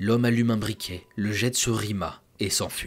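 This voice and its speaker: A man's fairly low voice, dramatic and solemn in tone, at a fairly slow pace. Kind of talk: true-crime narration. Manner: solemn, grave storytelling with emotional pity; measured, vivid, dramatic retelling.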